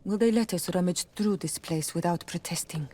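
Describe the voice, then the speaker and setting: A woman's voice: fairly low pitch, moderate pace, warm tone, close to an everyday voice. A woman acting a proud, passionate young tribal princess, solemn and direct, in a video game. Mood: solemn, determined.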